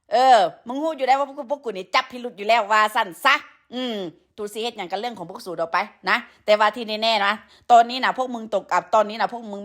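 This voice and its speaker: A woman with an Isan Thai accent and a sore throat from a cold, ranting crudely and scolding at length in a live stream, with many fillers. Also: fairly high pitch. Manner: crude, scolding, heavy with profanity; peppers talk with fillers. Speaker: livestreamer addressing followers.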